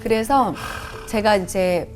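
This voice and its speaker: A woman telling her faith testimony as a guest on a Christian talk show, an animated storyteller, recorded in a television studio. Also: mid-range voice, slow pace, faint music behind. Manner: animated storyteller who acts out her own past outbursts.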